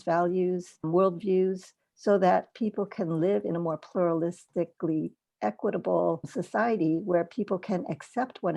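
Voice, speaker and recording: A middle-aged woman speaking as a panel guest, thoughtful and measured, mixing personal stories with points on scholarship. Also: mid-range voice, gravelly, dark tone. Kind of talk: panel discussion.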